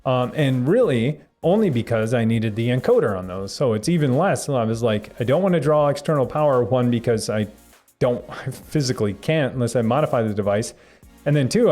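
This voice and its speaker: A man's voice: medium pitch, mellow. Rambling casual man on a tech stream. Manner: rambling, halting, many fillers and restarts, chuckles often. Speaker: tech livestream host. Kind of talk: casual live-stream chat reading viewer comments.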